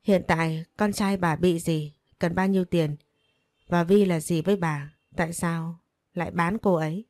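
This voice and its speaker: A woman's voice: fairly low pitch, fairly even intonation, normal speed, darkish tone, no room sound, close to an everyday voice. A woman voicing a cold, curt young husband in a story.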